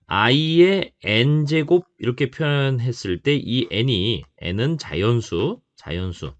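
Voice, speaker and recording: A man teaching a math lesson, repeating key phrases and checking in with his students as he writes. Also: mid-range voice. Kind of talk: whiteboard math lecture.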